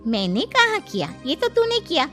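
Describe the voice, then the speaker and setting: A woman's voice: very high-pitched, wildly swooping pitch, normal speed, a bit bright, faint music behind, heavily acted. A woman voicing a cruel, gossiping middle-aged friend in a cartoon story, sly and gloating.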